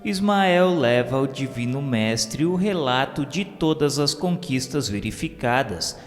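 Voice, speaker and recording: A man's voice: medium pitch, animated, a little slow. Male narrator, religious radio drama: solemn scripted storytelling, declamatory, long reverb, music bed beneath.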